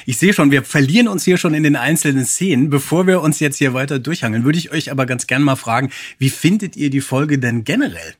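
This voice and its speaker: Husky enthusiastic male podcast host. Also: mid-range voice, animated, fairly quick, hardly any pauses. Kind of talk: casual chat.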